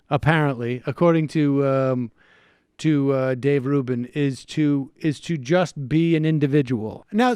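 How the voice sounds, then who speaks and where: Higher-voiced man with lively, sarcastic delivery. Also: dry recording, clean studio sound. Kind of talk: casual comedic panel chat.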